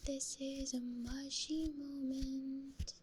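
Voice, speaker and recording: A woman streaming ASMR in a hushed, breathy whisper, speaking gently and intimately close into a stereo microphone. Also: high-pitched, flat delivery, drawn-out words, a little hiss or hum.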